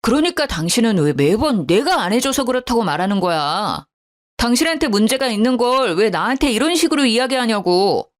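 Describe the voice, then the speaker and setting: A woman's voice: on the high side, sing-song, brisk, voice pushed up. A woman voicing a cold, dismissive husband in a storybook drama, speaking curtly and blaming his wife. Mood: cold, defensive. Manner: curt, blaming.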